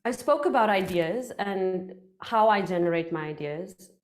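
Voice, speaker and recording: Animated woman, native Afrikaans speaker. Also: mid-range voice, a little slow. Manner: animated, gestures a lot, playful. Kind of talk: workshop talk on public speaking. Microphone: headset mic.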